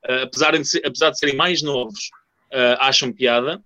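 A man with a European Portuguese accent chatting casually, halting and repeating words with many fillers. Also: medium pitch, pushed and bright, dry recording. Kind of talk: casual podcast chat.

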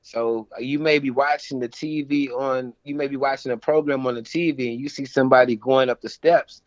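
A man's voice: mid-range voice, fairly even intonation, fairly quick, dry recording. Kentucky-accented male guest, slangy and easygoing, dull lo-fi line. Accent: Kentucky Southern. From Louisville, Kentucky. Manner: laid-back, slangy, enthusiastic. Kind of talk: casual interview chat.

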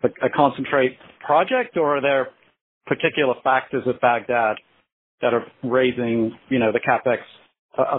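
Mid-pitched male analyst on phone line. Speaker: financial analyst asking a question. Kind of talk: conversational business question. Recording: thin narrow phone line.

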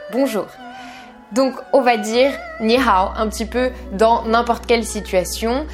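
A young woman teaching a beginner language lesson, upbeat and clear, modeling each word slowly before explaining it. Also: fairly high pitch.

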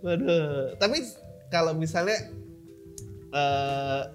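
A man's voice: a little high, slow, over music. Laid-back man hosting a podcast. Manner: laid-back, laughs loudly, slangy banter. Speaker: podcast host. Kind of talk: casual interview chat.

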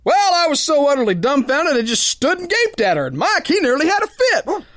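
A man's voice: very high-pitched, very animated, brisk, background noise. A man playing a tough, cocky, uneducated sailor boxer who tells his yarn in folksy slang for a radio drama. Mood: bemused. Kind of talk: pulp radio drama narration and dialogue.

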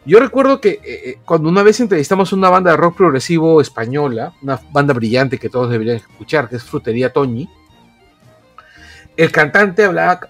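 Chatty man explaining at length. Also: on the high side. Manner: rambling, explanatory, many fillers. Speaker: podcast co-host. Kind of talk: casual chat.

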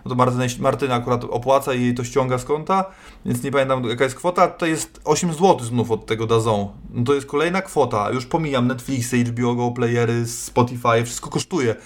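A man's voice: medium pitch, steady tone, a little fast. A man co-hosting a casual talk show, often hesitating and restarting his sentences. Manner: hesitant, many restarts and fillers. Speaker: podcast host. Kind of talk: casual chat.

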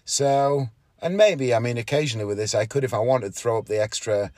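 A man's voice: mid-range voice, fairly quick, darkish tone, no room sound, studio quality. A man, talking casually and candidly on his solo podcast from inside a parked car, often correcting himself. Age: 30s. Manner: rambling, candid, self-correcting. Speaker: podcast host, magician.

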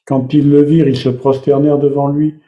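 A man's voice: a little high, flat delivery, a little fast. A man preaching a sermon, explaining and reading Bible passages aloud to the congregation. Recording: echoey room, slightly dull sound.

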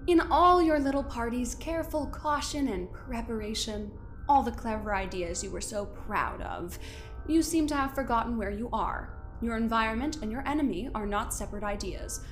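A woman playing a smug, controlling overseer in an audio drama, delivering measured, condescending threats in a theatrical way. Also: fairly high pitch, lively intonation, soft background music, lightly acted. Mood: smug, menacing. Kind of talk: scripted audio drama acting.

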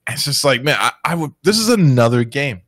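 A man's voice: mid-range voice, big pitch swings, a little fast, fairly bright tone, no room sound, studio quality. A man co-hosting a casual gaming chat, teasing his partner and laughing often. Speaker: podcast co-host.

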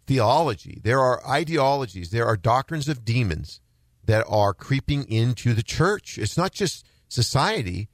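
A man's voice: mid-range voice, dry recording. A man hosting a Christian talk radio show, speaking earnestly and emphatically, often repeating words for stress. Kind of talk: casual Christian radio chat.

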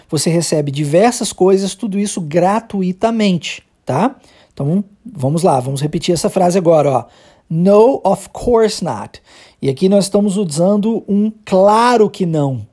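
A Brazilian teacher with a Brazilian Portuguese accent leads a podcast English lesson in a warm, mellow voice with a slightly husky edge. The teacher explains with patience and models each phrase slowly, over and over, for the learner to copy. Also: medium pitch.

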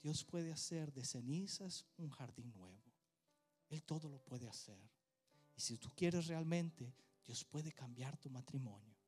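A man's voice: mid-range voice, animated, a little slow, a little mellow, breathy edge, faint music behind. A man preaching a sermon in a church service, speaking emphatically, repeating key phrases and addressing the congregation directly, then leading a prayer. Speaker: pastor.

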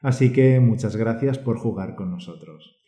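A man co-hosting a language-learning podcast, speaking and reading aloud in a measured, encouraging teacher's way. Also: fairly low pitch, mellow, roomy sound. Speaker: podcast co-host.

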